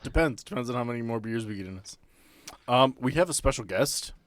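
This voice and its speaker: A man's voice: mid-range voice, expressive, a little fast, no echo. A man hosting as game master, talking casually. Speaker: game master and podcast host. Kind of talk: casual chat.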